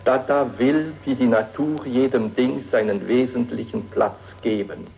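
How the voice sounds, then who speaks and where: Older artist, dreamy poetic recital, mellow voice. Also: male voice, medium pitch, fairly even intonation, a little slow, gravelly, highs cut off. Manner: dreamy, playful declamation. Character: Hans Arp, older male artist musing on nature. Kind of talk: dramatic reading of poetic texts.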